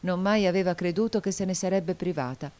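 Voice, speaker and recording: Low, mellow-voiced woman narrating a novel. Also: brisk. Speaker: audiobook narrator. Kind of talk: literary audiobook narration.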